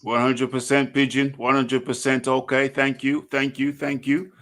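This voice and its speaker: A man hosts a boxing talk show in a lively, informal way. He stumbles over his starts and repeats his agreement. His pitch sits in the middle. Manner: lively, stammering restarts, quick affirmations. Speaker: host.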